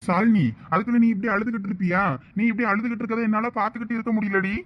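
A man's voice: sits high, steady tone, lightly acted. A young man acting a husband in a village comedy skit, soothing and pleading, on a slightly muffled recording. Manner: pleading, soothing, fast talk.

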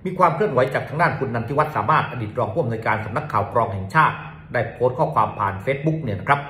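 A man's voice: mid-range voice, pushed and bright. A man presenting a news commentary to viewers, reading it out politely and adding courteous particles as he goes. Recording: roomy echo.

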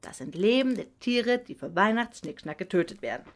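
A woman's voice: medium pitch, expressive, normal speed, background noise, natural voice. A woman playing an earnest, principled young adult daughter in a naturalistic radio drama. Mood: indignant. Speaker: voice actor in an audio drama.

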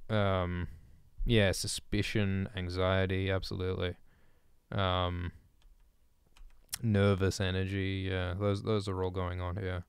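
Man, writer on a live stream, hesitant musing delivery, smooth clear voice, dry sound. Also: low-pitched, little pitch movement, slow, dry recording. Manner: musing, hesitant, frequent ums and self-corrections. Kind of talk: thinking aloud while drafting prose.

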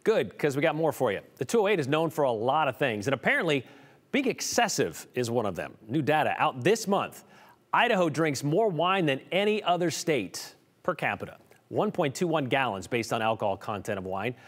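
Playful animated male TV host. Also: medium pitch, brisk, long reverb tail. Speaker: TV show host. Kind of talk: lively scripted TV segment with jokes. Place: TV studio. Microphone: studio mic, standing presenter.

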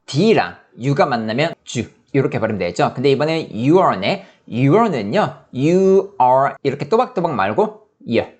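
A Korean-speaking English teacher who explains pronunciation quickly and drills phrases slowly with exaggerated intonation. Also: medium pitch, very animated, darkish tone. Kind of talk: explanatory language lesson.

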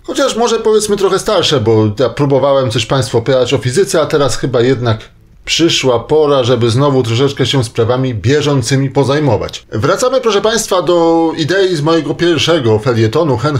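Male radio columnist, medium pitch, discursive explainer full of qualifications. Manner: discursive, hedging, with tag questions. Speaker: science columnist on a radio show. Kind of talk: spoken popular-science essay, semi-improvised.

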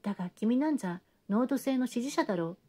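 A woman's voice: fairly high pitch, animated, fast talker, mellow. A woman reading an audiobook, voicing a scornful young man who lectures and mocks. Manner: mocking, lecturing. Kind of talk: audiobook reading of a classic novel.

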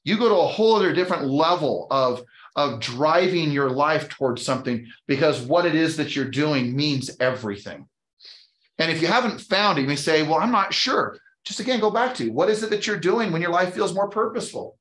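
A man's voice: fairly high pitch, animated, a little fast, fairly bright tone. Emphatic American man, echoey room. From Utah, United States. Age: middle-aged. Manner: emphatic, conversational, peppered with rhetorical questions. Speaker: real estate sales trainer. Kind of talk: motivational training talk. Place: indoor training room with whiteboards.

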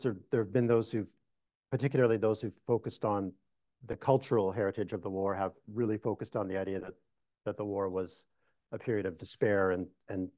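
A middle-aged man, a historian, answering audience questions in a meeting room, measured and thoughtful with frequent restarts. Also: lowish voice, darkish tone, no echo. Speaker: historian giving a talk. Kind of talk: lecture Q&A answers.

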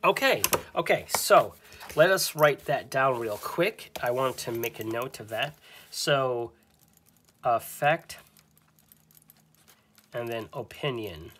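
Slow, hesitant man narrating a solo game. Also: mid-range voice, lively intonation, a bit bright, a little hiss or hum. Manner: thinking aloud, hesitant with many fillers.

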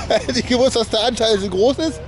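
A man's voice: extremely high pitch, moderate pace, crowd noise. A young man, chatting casually to the camera as a car vlogger, first while driving and then walking around a rainy car meet. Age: young adult. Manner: chatty, frequent tag questions "ne?". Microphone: handheld camera at arm's length. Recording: clear road and street noise behind.

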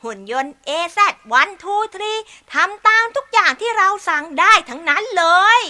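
A clever little inventor ant proudly shows off her machines. Her voice is very high and piercingly bright, with a bouncy, lively melody. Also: moderate pace, heavily acted. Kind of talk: cartoon voice acting.

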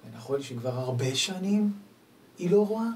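A man softly voicing a saintly old rabbi. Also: high-pitched, animated, voice pushed up. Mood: gentle. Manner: quiet, measured, gentle. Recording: distant mic, faint background noise.

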